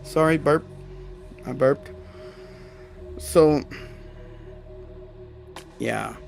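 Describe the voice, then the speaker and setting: Male host, gravelly mid-pitch voice, casual HR livestream talk with faint music behind. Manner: conversational, self-correcting, asks "right?" often. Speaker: HR consultant hosting a live stream.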